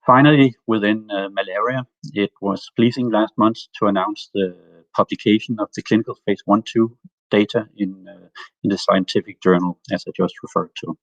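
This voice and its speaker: A man with a fairly low voice delivers a prepared corporate update, steady and measured with small hesitations. The audio is dry and dull, like a lo-fi call feed. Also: dry recording. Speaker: company executive presenting results.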